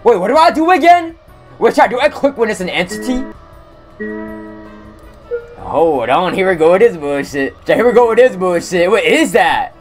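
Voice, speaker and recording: A young man casually commentating on a game stream, using slang and talking excitedly to his chat. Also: high-pitched, normal speed, pauses often, soft background music. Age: young adult. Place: indoor room at streaming setup.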